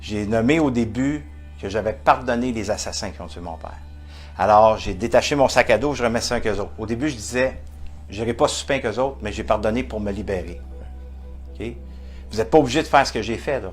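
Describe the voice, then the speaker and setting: Music plays behind a man with a Quebec accent and a fairly low pitch. His pitch swings very widely, his loudness varies a lot, and he takes long, frequent pauses. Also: fairly quick pace. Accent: Québécois. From Quebec, Canada. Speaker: motivational speaker. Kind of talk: interview answer.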